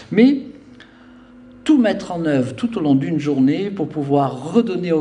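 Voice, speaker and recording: The man's fairly high pitch comes through audible room echo. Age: 60s. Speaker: Chinese medicine practitioner. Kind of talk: interview.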